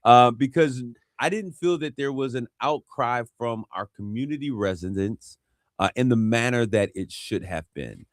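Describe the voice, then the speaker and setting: Measured male radio host, dry studio sound. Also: mid-range voice, expressive, dry recording. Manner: measured, frequent "uh" fillers. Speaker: radio talk show host. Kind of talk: interviewing a guest on race issues.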